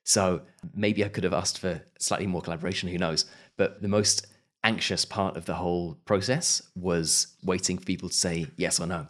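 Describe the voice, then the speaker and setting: Low-voiced British man, reflective. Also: steady tone, moderate pace, fairly bright tone. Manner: thoughtful, frequent restarts and small laughs. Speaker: podcast host and audio drama producer. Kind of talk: casual interview talk.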